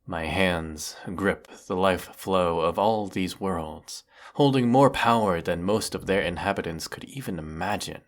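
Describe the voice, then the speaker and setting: An actor playing a weary, menacing galactic emperor in a sci-fi audio roleplay, speaking with pompous, theatrical formality. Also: male voice, measured pace, hardly any pauses. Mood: weary, confiding. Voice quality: low, gravelly. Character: weary, menacing galactic evil emperor, secretly fond of servant. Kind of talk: scripted audio roleplay monologue.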